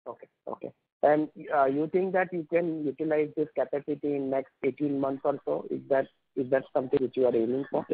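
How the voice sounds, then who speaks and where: A man's voice: on the high side, steady tone, a little fast, creaky, slightly rough, dry recording. A man with an Indian accent, an analyst putting questions to management on an earnings call, polite, wordy and hesitant. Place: conference call by phone. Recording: dry, narrow tinny phone line.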